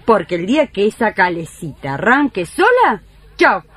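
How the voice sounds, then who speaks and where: An actress playing a skeptical, complaining working-class Argentine wife in radio theatre, wry, colloquial and exasperated. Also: female voice, mid-range voice, very animated, moderate pace, a bit bright, husky.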